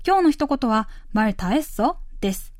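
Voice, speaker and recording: A woman hosting a language course, explaining phrases clearly and slowly in scripted narration. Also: fairly high pitch, big pitch swings, darkish tone, no room sound, clean studio sound. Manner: clear, careful explanation with slow model phrases.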